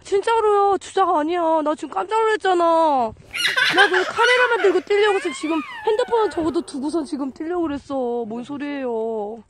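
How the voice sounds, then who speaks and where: A woman in her thirties vlogging outdoors on a frozen river, chatting playfully to viewers with excited squeals. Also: extremely high pitch, moderate pace, crowd noise. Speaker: camping vlogger. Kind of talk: casual vlog chat to viewers. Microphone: handheld camera. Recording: outdoor camera noise.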